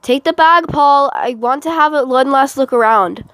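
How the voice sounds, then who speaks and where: A woman's voice: sits high, normal speed, a bit bright, no room sound, voice pushed up. A woman voicing a fussy, anxious mother in a novel reading, insistent and projecting as she instructs her son. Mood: brisk, insistent. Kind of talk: acted dialogue in a novel reading.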